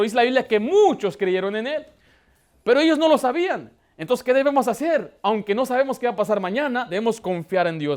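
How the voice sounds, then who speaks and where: A man preaching a sermon as pastor, asking the congregation questions and building up emotion. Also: sits high.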